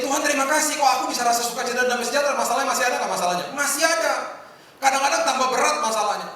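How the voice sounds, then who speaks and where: A middle-aged male pastor giving a lively, humorous sermon and acting out the lines he quotes. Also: fairly high pitch, a little hiss or hum. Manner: animated, humorous preaching with acted-out quotes. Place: hotel function hall. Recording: echoey hall from far off.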